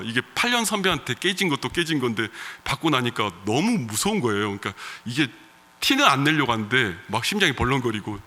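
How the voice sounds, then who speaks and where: A man in his thirties, a pastor, preaching a sermon in a church, moving between loud emphatic calls and quiet storytelling. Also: mid-range voice. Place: church sanctuary. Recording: long reverb of a church hall.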